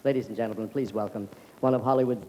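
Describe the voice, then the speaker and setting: Mellow-voiced man hosting a pageant. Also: fairly low pitch, steady tone, quick pace, slight background noise, poor audio. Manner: smooth, upbeat showman patter. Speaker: pageant host. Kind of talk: live television hosting. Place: theater stage at a live broadcast.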